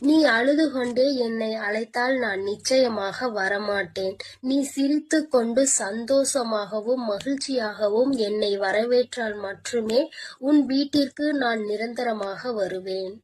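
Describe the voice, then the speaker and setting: A woman's voice: a little high, unhurried. A woman speaking as a protective yet stern mother goddess, delivering a devotional divine message and addressing the listener as her child with firm instructions. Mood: motherly.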